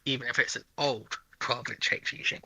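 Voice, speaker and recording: A man's voice: mid-range voice, fairly even intonation, brisk, sharp tone, a little hiss or hum, low-quality recording. A man on a panel in casual technical discussion, hedging and repeating the openings of his phrases.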